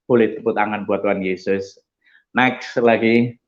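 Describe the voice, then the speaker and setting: A male pastor giving an animated testimony sermon, telling stories and acting out the people in them. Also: fairly low pitch, a little slow, dull audio. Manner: animated storytelling, acts out quoted voices.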